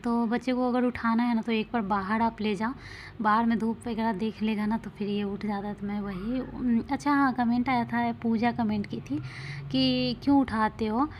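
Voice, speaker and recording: A woman's voice: fairly high pitch, fairly even intonation, moderate pace, a little hiss or hum. A woman in her thirties, a mother chatting casually in a daily home vlog, rambling with lots of fillers. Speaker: vlogger, mother.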